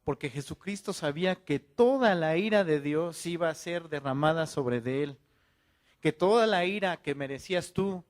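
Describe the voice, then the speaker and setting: A man's voice: fairly high pitch, normal speed. A man preaching a fiery sermon, firing off rhetorical questions and calling his listeners to repent. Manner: acts out quoted voices of churchgoers.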